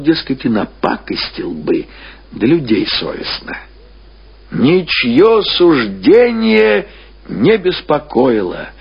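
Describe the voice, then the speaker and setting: A man reading classic prose as a narrator, in an expressive, deliberate storytelling style with drawn-out phrases. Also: fairly high pitch, breathy edge, muffled recording. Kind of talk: scripted literary narration, audiobook or radio reading.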